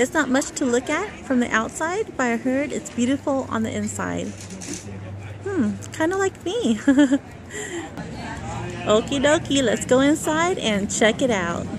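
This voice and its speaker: A woman speaks at a fairly slow pace with long, frequent pauses, her high pitch carried by lively intonation. The sound is dry with no echo, and there is noticeable background noise. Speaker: parent vlogger at a wedding. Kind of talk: casual vlog chat. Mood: cheerful, joking. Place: street. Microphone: phone near.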